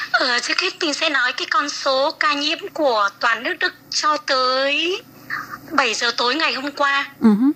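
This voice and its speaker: Amid noticeable background noise, a woman with a high voice for a woman speaks at a very slow pace in a raised, projected voice. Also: ordinary pitch variation. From Vietnam. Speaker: Vietnamese expatriate in Germany. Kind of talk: interview.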